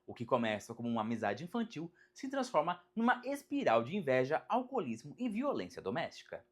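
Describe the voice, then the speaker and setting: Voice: mid-range voice, huge pitch swings, fairly quick. A narrator with a Brazilian accent reading a scripted video essay in a dramatic, emphatic storytelling way. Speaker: narrator of a video about animated superhero films.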